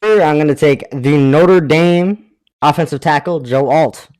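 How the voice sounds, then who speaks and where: Clear-voiced man talking sports remotely. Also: a little high, unhurried, darkish tone. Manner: thinking aloud, hesitant. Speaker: podcast co-host. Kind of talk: casual sports chat. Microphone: remote call.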